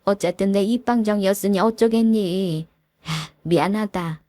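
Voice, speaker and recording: A woman's voice: mid-range voice, moderate pace, warm tone, no room sound, lightly acted. A woman voicing a scheming middle-aged future mother-in-law who wheedles and wails in a story reading. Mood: wheedling. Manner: wheedling, then wailing. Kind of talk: storybook voice acting.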